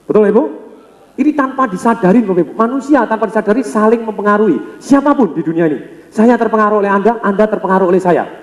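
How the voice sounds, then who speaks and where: Man, Indonesian accent, sales trainer, seminar lecture, high voice, echoey hall. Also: quick pace. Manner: energetic, calls on the audience for responses; acts out customer dialogues. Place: large hall with a live audience.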